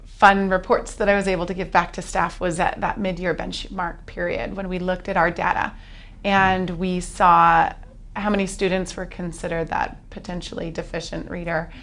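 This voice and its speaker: A woman school staff member explaining her results in an interview in a drawn-out way. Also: fairly low pitch, flat delivery, fairly bright tone. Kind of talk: interview answer.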